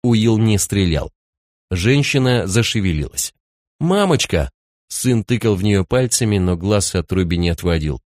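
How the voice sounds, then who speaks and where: Low-voiced male audiobook narrator. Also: normal speed, a little mellow, no room sound, studio quality. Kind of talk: scripted narration.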